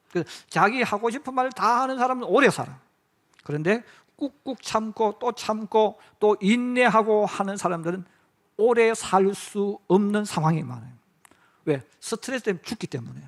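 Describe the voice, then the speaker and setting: Middle-aged guy pastor preaching, fairly high voice, animated storytelling sermon. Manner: storytelling preacher, acts out quoted voices, addresses congregation.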